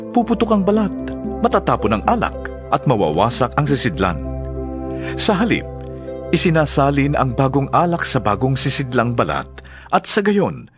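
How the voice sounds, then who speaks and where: A male actor playing a calm, authoritative, compassionate teacher in an audio Bible drama. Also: medium pitch, close to an everyday voice.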